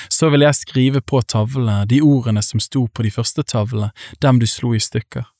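A man doing a scripted Bible reading in a measured, even manner, slowing on solemn phrases. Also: medium pitch, no echo, studio quality. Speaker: Bible reader.

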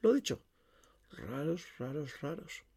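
Male horror storyteller: highish pitch, very animated delivery, raspy and creaky. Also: takes it slowly. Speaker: narrator of a horror short story. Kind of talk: dramatic storytelling narration.

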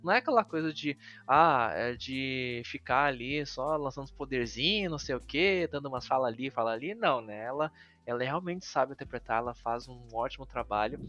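A man's voice: medium pitch, a little fast, pushed and bright. Hesitant Brazilian man, dull lo-fi sound. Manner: hesitant, repeats words as he searches for phrasing. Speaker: podcast co-host. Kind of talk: casual podcast discussion. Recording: dull lo-fi audio, music behind. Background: background music.

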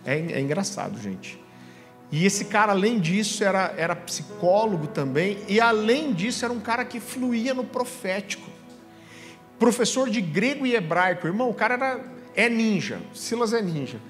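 A young adult man from Brazil preaching a sermon, telling a story in a lively, slangy way with asides to the crowd. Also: high-pitched, normal speed. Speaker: pastor. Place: church hall. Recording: music under voice in a reverberant hall.

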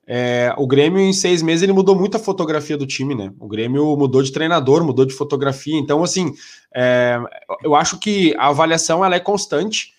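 A man's voice: a little high, brisk. A man with a nasal, congested voice, talking sports in a casual, meandering way. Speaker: sports commentator.

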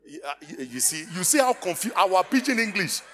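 A man's voice: high-pitched, brisk, faint music behind. A middle-aged Nigerian man preaching a storytelling sermon, acting out dialogue and calling on the congregation to respond. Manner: animated, acts out dialogue, calls on the congregation. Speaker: pastor.

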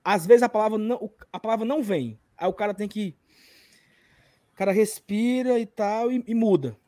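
A high-pitched man with a dark tone, a Northeastern Brazilian accent from Ceará, and an occasional stutter speaks at normal speed with no echo. As a podcast and live stream host, he casually tells personal stories.

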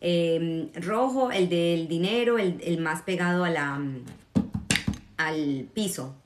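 A woman's voice: lowish voice, slow, background noise. A woman leading a guided meditation and chatting live with viewers in an encouraging, reassuring way. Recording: roomy echo.

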